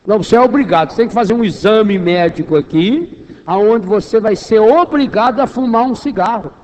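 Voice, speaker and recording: High-voiced Brazilian preacher in an echoing hall. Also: male voice, darkish tone. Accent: Brazilian Portuguese. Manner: emphatic, rhetorical questions, repeats phrases for weight. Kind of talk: charismatic sermon to a congregation. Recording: echoey hall, long reverberation.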